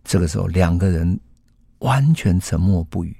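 A man, hosting a historical storytelling podcast in an unhurried, reflective way. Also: low-pitched, lively intonation, vocal fry, mellow, breathy edge, no echo, studio quality. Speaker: host and storyteller.

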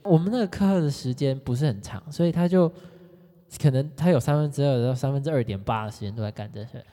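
An excitable speaker tells customer stories in a casual podcast chat. The voice often jumps up in pitch as the tales build. A long, hall-like reverb trails after each phrase. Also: quick pace. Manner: animated, excitable storyteller. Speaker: podcast co-host, former education sales consultant.

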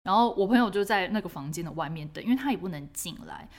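A woman from Taiwan with a Taiwanese Mandarin accent, hosting a podcast and telling a personal story in an animated, expressive way. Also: lowish voice, fast talker. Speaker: podcast host.

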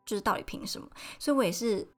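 Fast-talking young woman. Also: soft background music. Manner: animated, acts out quoted people with raised pitch. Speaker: podcast host. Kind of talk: casual storytelling monologue.

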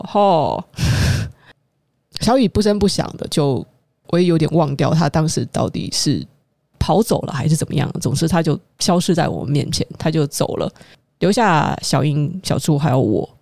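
A woman hosting a podcast, recounting a personal memory in a conversational way, acting out the quoted lines with lively shifts and asking listeners rhetorical questions. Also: on the low side, no room sound, studio quality. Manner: animated, acts out quoted dialogue. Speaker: podcast host.

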